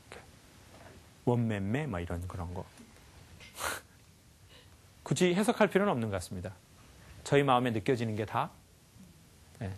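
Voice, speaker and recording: A man giving a lively life lecture to a live audience, often asking them questions and acting out sounds. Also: mid-range voice, breathy edge. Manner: animated, asks the audience questions, acts out sounds.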